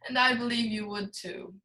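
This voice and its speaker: A woman's voice: on the high side, sharp tone, poor audio. A woman playing a genteel, scheming male crime boss with pompous, formal, theatrical speech in a noir radio play. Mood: suave, menacing.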